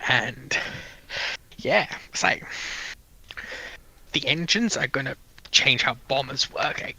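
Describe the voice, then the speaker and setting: A man's voice: mid-range voice, animated, takes it slowly, bright, forceful tone, husky, low-quality recording. A man taking part in a casual technical discussion, offering commentary in a conversational way. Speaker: discussion participant.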